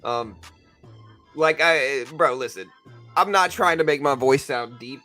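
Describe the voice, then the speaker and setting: Streaming from his Texas home, this adult father of a daughter hosts a trading livestream while still groggy from waking up, his voice sounding deeper than normal. He chats casually at a medium pitch and slightly slow pace, drifting along with plenty of "bro" and "you know," though a bright, forceful quality never leaves his tone. Quiet music plays behind him.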